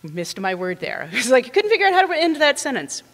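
A woman's voice: high-pitched, sing-song, fairly quick, fairly bright tone. A young woman hosting a lecture series, giving an earnest introduction at a podium and sometimes losing her words. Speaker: series organizer and host. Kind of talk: introduction speech. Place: large lecture room with audience. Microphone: podium mic. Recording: long hall reverb.

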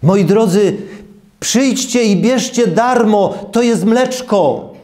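A man in his sixties preaching a sermon and reading scripture in a deliberate, emphatic way, repeating key phrases. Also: high-pitched, mellow. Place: small church room, at a lectern.

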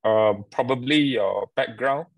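A man's voice: medium pitch, a little slow, dry recording. Male moderator, polite, hesitant, dry video-call sound. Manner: polite, hesitant, many fillers. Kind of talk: moderating a webinar Q&A.

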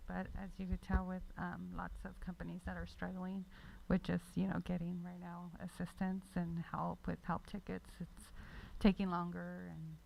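A woman with a heavily creaky voice and rather flat intonation speaks as a staff member at a public meeting. She explains plainly, with faint noise behind her. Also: on the low side, normal speed, rough recording. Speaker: city finance staff member.

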